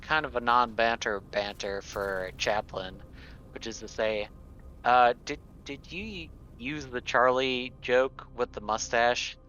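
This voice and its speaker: Male player, mid-pitched and bright, chatting through game plans, slightly muffled recording. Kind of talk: casual in-game discussion.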